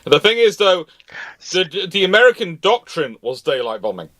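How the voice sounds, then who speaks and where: A man hosting an off-the-cuff history discussion, halting and self-correcting as he argues his points. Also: sits high, big pitch swings, a bit bright. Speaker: live-stream host answering viewer questions.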